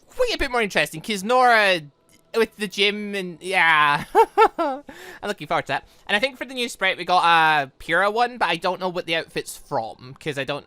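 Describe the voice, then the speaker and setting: A man giving casual, excitable, rambling commentary on a game, thinking aloud as he goes. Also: high-pitched, dry recording. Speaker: gaming channel host. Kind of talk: casual gameplay commentary, reading visual novel dialogue aloud.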